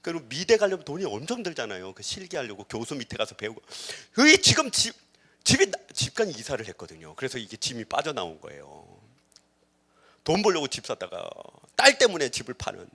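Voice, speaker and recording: Man, middle-aged, pastor, sermon, lively swooping pitch, acted-out quotes. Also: brisk. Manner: animated storytelling, acting out quoted voices, shifting from hushed to loud.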